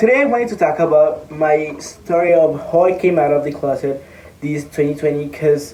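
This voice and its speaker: Through noticeable background noise and audible room echo, a man with a fairly high pitch speaks at a moderate pace with ordinary pitch variation. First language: not English. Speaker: skater sharing a personal story. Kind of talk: personal testimony video message. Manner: halting, many fillers.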